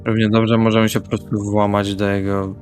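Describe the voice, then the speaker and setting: A man speaks casually as a player in a tabletop role-playing session. His voice is on the low side, over faint background music. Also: level tone, brisk. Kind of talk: casual in-character table talk.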